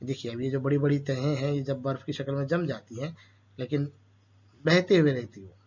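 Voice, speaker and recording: A man's voice: mid-range voice, normal speed, darkish tone, slightly rough. A man teaching a school lesson to children, asking questions and answering them himself, with an Urdu-speaking Indian accent. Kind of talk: explaining a school chapter to children. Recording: dull lo-fi sound.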